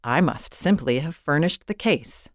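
A woman voicing a formal male jeweller, politely firm and measured, in a storybook reading. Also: sits low, expressive, dry recording, studio quality. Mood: polite denial.

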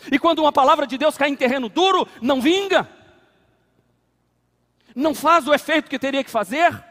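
A Brazilian man preaching a sermon as pastor, dramatic, dropping to a hush and building to loud climaxes. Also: very high voice, a little fast. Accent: Brazilian Portuguese. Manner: dramatic preaching, acts out voices in anecdotes, swings from hushed to loud. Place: church sanctuary. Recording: long hall reverb.

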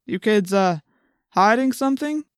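A woman voicing an adult policeman in an audiobook, official and folksy, probing with quiet menace. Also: mid-range voice, expressive, unhurried, dry recording, clean studio sound, natural voice. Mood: suspicious, commanding. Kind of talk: audiobook character voice.

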